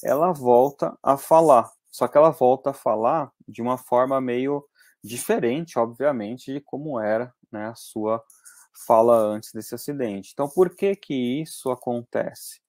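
A young Brazilian man teaching anatomy in an online class from a small room, talking conversationally and often tagging sentences with quick checks. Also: medium pitch, darkish tone, dry recording. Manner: conversational, frequent tag questions. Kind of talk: online lecture over slides.

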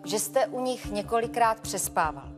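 A sharp defense attorney, as a woman plays her, pressing the witness with pointed questions. The courtroom gives a long reverb, with faint music under it. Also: fairly high pitch, lively intonation, close to an everyday voice. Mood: probing. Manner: pointed, probing cross-examination. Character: sharp female defense attorney cross-examining. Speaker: lawyer for the respondent. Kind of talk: scripted courtroom TV show.

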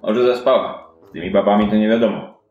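A man voicing a gruff, impatient old sailor in a tabletop fantasy game, curt, grumbling and folksy. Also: fairly low pitch, fairly quick, darkish tone, lo-fi sound, lightly acted. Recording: roomy sound with music underneath.

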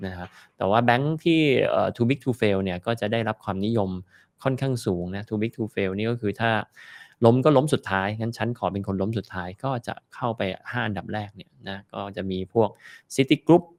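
A man's voice: lowish voice, normal speed, no room sound. A man giving casual market commentary, chatty and explaining with everyday comparisons. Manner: chatty, explains with homely comparisons, ends phrases with soft particles. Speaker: finance commentator.

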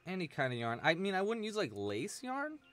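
A man's voice: high-pitched, huge pitch swings, a little fast, a bit bright, faint music behind. A young man teaching crochet on a home live stream, chatty and playful, reading chat messages aloud and laughing as he works. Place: small room at home, indoors.

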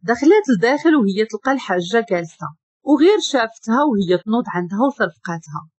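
A woman with a Moroccan accent narrating a dramatic story, expressive and shifting her voice for the characters, close to the mic. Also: fairly high pitch, fast, breathy edge, no room sound.

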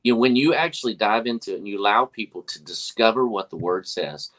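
Earnest low-voiced pastor on a video call. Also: male voice, brisk, a bit bright, poor audio. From West Texas. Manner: earnest, preachy, many fillers and restarts. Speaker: pastor and guest. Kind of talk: casual video call conversation. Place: office with whiteboard, indoors. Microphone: webcam on video call.

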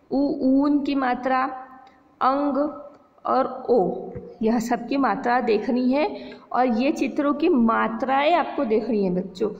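A woman teaching Hindi to young schoolchildren. She walks them through a worksheet patiently and slows down to sound out words and letters. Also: high-pitched, vocal fry. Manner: patient, repeats "बच्चों" often, stresses pronunciation slowly. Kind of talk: online lesson explaining a worksheet to children. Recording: long reverb, dull lo-fi sound.

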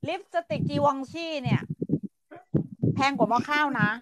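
A woman's voice: sits high, moderate pace, dry recording, rough recording. A middle-aged woman from Thailand hosting a casual livestream chat, blunt and ranting, swearing freely and stretching her polite endings for emphasis. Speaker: livestream host.

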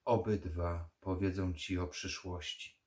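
A man's voice: low-pitched, level tone, a little slow, a little mellow. A man voicing the ghost of a sad mother who pleads and gives solemn warnings in an audiobook horror reading. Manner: pleading then solemn, foreboding.

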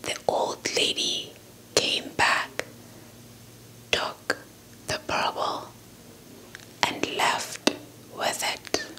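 Whispering young woman, very slow. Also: pushed and bright, rough recording. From South Africa. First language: Xhosa. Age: young adult. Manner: slow, deliberate, repeats words for effect. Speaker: ASMR storyteller. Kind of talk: whispered ASMR folktale narration. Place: small indoor setup before a cloth backdrop. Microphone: handheld mic with fluffy windscreen, held close.

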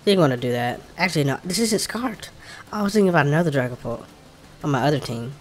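This man talks fast, in a slightly high and expressive voice with an African American English accent. He's casually commenting on the video game he's playing, thinking out loud and muttering to himself informally. Game music sounds in the background.

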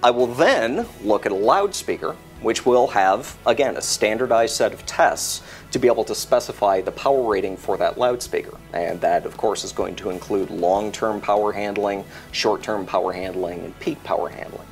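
A man's voice: fairly low pitch, normal speed, hardly any pauses, soft background music. A middle-aged American man giving a methodical, emphatic technical explanation as a product expert. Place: indoor product display set.

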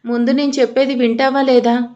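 A woman voicing an anxious, protective young man in an audio storybook, talking in a hurried, urgent way. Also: high voice, level tone, dark tone, muffled recording, close to an everyday voice. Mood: exasperated. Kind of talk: storybook narration with quoted dialogue.

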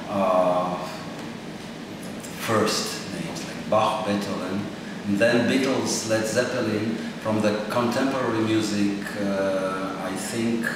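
A man in his fifties whose first language is Estonian, a composer answering interview questions in English with halting, animated phrasing and many fillers, in a small room. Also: fairly low pitch. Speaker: composer and performer. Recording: echoey room, distant mic, noisy.

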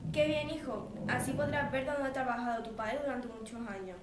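A teenage girl reads play lines quickly. Her voice is a bit high, with room echo and noticeable noise. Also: steady tone. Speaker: student playing a mother. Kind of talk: scripted dialogue. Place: school classroom. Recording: roomy classroom, distant mic, clear noise.

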